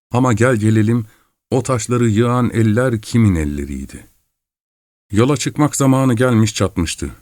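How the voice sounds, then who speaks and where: A man narrating a literary adventure story in a measured storytelling manner. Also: lowish voice, a little mellow, no echo, clean studio sound. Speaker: audiobook narrator.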